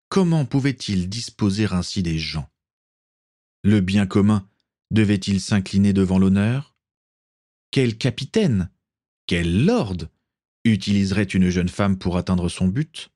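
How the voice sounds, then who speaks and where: A man narrating an audiobook in an expressive, wide-ranging reading, close on the mic. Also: low-pitched, unhurried, pauses often, dry recording. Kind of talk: scripted narration.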